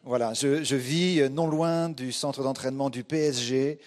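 Preaching as a guest pastor and church movement leader, this Frenchman has a mid-range, slightly mellow voice with a steady tone and moderate pace. His sermon is conversational and hesitant, and he frequently speaks straight to the people in the pews.

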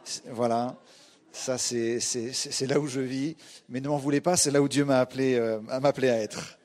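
A man's voice: mid-range voice, steady tone, moderate pace, darkish tone. A man from France preaching to a congregation in a conversational, hesitant way, often addressing listeners directly. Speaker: guest pastor, church movement leader. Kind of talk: sermon to a congregation.

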